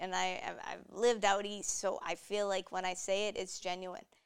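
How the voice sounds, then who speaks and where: A woman with a medium pitch speaks at a moderate pace in a normal speaking voice. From Massachusetts (Mansfield, near Boston). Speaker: college hockey coach. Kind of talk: casual interview.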